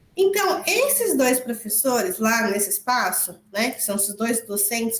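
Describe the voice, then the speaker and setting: Very wide pitch swings run through a woman's speech. She talks at a fairly slow pace. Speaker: education professor, lecturer. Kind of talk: online lecture. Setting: video call webinar.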